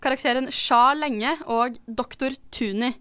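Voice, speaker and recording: A woman's voice: a little high, bright, forceful tone, a little hiss or hum. A woman hosting a casual script read, upbeat and laughing easily. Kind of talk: casual chat.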